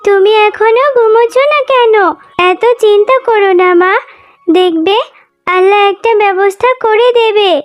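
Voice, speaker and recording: A woman's voice: very high-pitched, measured pace, muffled recording. A woman voicing a sweet, clever young fox daughter in a cartoon, with an earnest, childlike manner. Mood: reassuring. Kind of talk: Bengali cartoon voice acting. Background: music.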